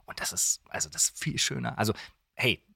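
A man's voice: medium pitch, expressive, brisk, creaky, sharp tone, slightly rough, no room sound, whispered, clean studio sound. A man, a voice actor chatting casually as an interview guest. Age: 30s. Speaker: guest, voice actor for dubbing and audio dramas.

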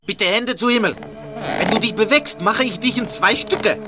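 A man's voice: high voice, normal speed, natural voice. An actor playing a threatening male assistant who speaks broken sentences with an odd, dubious accent, clipped and commanding. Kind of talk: 1970s radio drama. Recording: clip played with music behind.

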